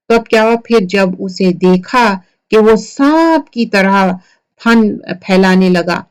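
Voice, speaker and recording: A woman giving a conversational Quran commentary lesson, retelling the story and asking her listeners rhetorical questions. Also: mid-range voice. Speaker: Quran teacher for women.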